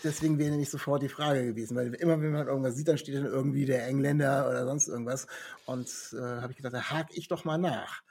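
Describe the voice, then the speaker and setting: A man hosting a relaxed podcast interview, asking long questions full of hesitations and fillers. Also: mid-range voice, fast talker, breathy edge. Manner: hesitant, many fillers and restarts. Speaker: podcast host. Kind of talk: casual interview.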